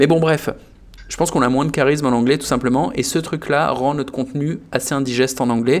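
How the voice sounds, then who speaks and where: At a fairly quick pace, a man with a plain, everyday voice talks at a fairly high pitch with fairly even intonation. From France. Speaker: business youtuber, interviewer. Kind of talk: interview, casual chat.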